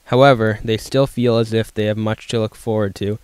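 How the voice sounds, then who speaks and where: A teenage boy narrating a scripted school news segment in an even read-out manner. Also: fairly low pitch, fairly quick, clear, resonant tone, no echo. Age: teens. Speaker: student news reporter.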